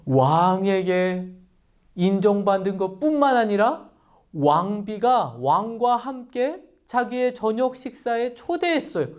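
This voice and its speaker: Children's pastor, woman, animated storyteller who quizzes the kids. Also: medium pitch, takes it slowly. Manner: lively, addresses children directly with questions.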